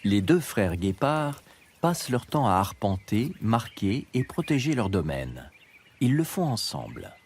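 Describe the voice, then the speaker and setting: A man's voice: lowish voice, very animated, measured pace, darkish tone, breathy edge. A man reading scripted narration for a nature documentary, with music behind him. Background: background music.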